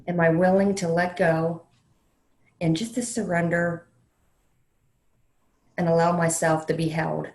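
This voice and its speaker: Woman doing a guided meditation, lowish voice, slow n soothing with long gaps, kinda echoey room. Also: little pitch movement, a little mellow. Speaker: meditation leader, counselor educator. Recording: roomy, echoey sound.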